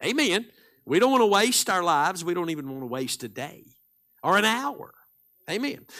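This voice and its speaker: On a very clean recording with a silent background, a man speaks in an East Texas accent at a moderate pace. His pitch is high, with very wide swings. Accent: East Texas Southern US. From Northeast Texas. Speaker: preacher. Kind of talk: sermon. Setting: church.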